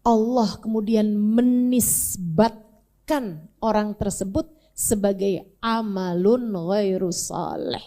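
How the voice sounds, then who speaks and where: A woman's voice: mid-range voice, slow pace, mellow. A woman preacher giving a sermon that retells a story, mixing playful everyday asides with a dramatic telling. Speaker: Islamic preacher.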